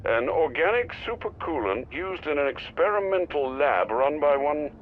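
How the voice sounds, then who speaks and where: A formal old butler. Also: male voice, fairly high pitch, big pitch swings, normal speed, phone-quality sound, a little hiss or hum. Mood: dutiful. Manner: polite, formal, addresses his master as sir. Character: loyal formal older male butler. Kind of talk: video game cutscene voice acting.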